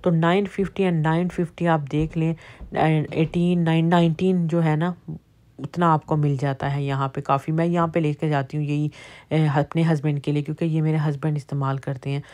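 Here the vlogger, a middle-aged woman from Pakistan, keeps up a chatty price commentary while holding her phone in a large warehouse store. She speaks at normal speed in a low, level, somewhat dark voice.

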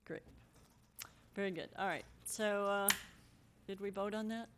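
A woman's voice: mid-range voice, fairly even intonation, unhurried, noisy background. A middle-aged American woman speaking informally as the mayor chairing a council meeting, on a desk microphone in a council chamber. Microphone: gooseneck desk microphone.

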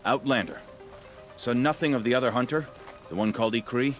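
An actor playing a stern, commanding tribal chieftain in a video game, formal and terse. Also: male voice, medium pitch, fairly quick, lightly acted. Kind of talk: dramatic video game acting. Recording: music behind. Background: game score music.

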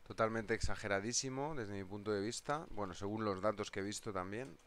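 A middle-aged man with a Spain Spanish accent hosts a live trading stream, bantering with viewers and chuckling as he reads their comments aloud. His voice sits on the lower side and comes across smooth and resonant. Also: fairly quick, a bit bright. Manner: chatty, jokey, reads viewer comments aloud and laughs often. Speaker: trading webinar host.

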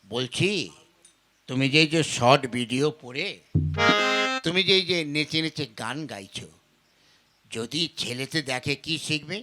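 A man's voice: medium pitch, measured pace, pauses often, pushed and bright, soft background music. A man playing a worried, mild village husband who questions hesitantly in a folk puppet-show drama. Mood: reproachful.

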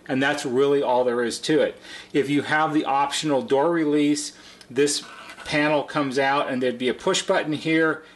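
A middle-aged man with a medium-pitched voice walks through a hands-on demonstration. He talks like a repair technician, in plain, unscripted language, explaining things one step at a time. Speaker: repair technician presenting a how-to video. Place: indoor workshop at a workbench.

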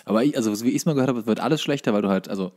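A man's voice: mid-range voice, rapid-fire, a little mellow. A man in casual podcast banter, joking, interjecting and explaining things loosely. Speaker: podcast co-host.

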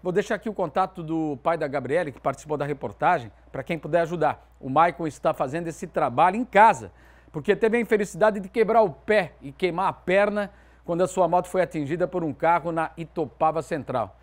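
A man in his forties with a Southern Brazilian accent, presenting sports news in a TV studio with lively, emphatic delivery. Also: on the high side, brisk. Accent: Southern Brazilian Portuguese.

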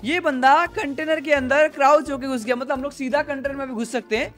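A young man with a high voice reacts to game footage in a chatty, excitable way, often calling out to his viewers. A little background music plays faintly behind him. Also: a little fast. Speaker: gaming YouTuber. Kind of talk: casual game reaction commentary.

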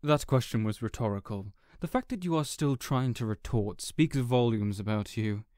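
A man playing a smug, contemptuous supervillain in an audio roleplay, speaking in a deliberate, condescending way. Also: medium pitch, darkish tone, no echo, studio quality, close to an everyday voice. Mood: scornful. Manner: deliberate, condescending, theatrical monologuing. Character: smug, contemptuous male supervillain gloating over a beaten rival. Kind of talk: audio roleplay villain acting.

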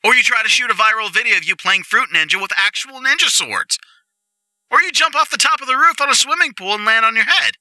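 A young man playing a goofy, excitable, reckless jock boyfriend in a roleplay audio drama, rambling eagerly and stammering. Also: very high voice, fast, no echo, full character voice. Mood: upbeat, reassuring.

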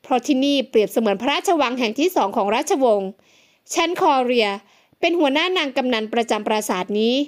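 A woman reading the part of a haughty head maid in an audio novel, speaking in a cold, flat, formal way. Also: fairly high pitch, fairly quick, lightly acted.

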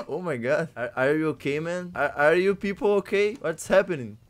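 A man role-playing a wizard student in broken English, with an exaggerated, excitable manner. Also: fairly high pitch, a little slow, lightly acted. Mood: excited.

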